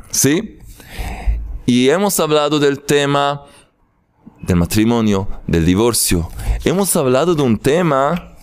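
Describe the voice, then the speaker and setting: A man giving a spiritual lesson with jokes in a lively storytelling manner. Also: medium pitch, clear, resonant tone. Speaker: religious teacher. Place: in Jerusalem.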